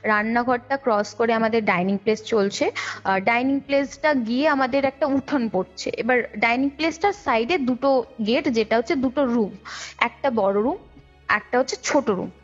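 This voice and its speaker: A woman's voice: fairly high pitch, normal speed. A young woman tells a personal ghost story conversationally, in detail, circling back over points. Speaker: guest, caller. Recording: dull lo-fi call recording with background music. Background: background music.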